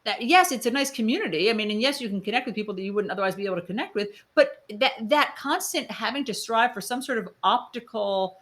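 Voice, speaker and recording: A mid-fifties woman hosts a podcast interview in an animated, emphatic way. She asks her guests questions and presses her points with strong stress. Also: a little high, fast, hardly any pauses. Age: 50s. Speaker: podcast host.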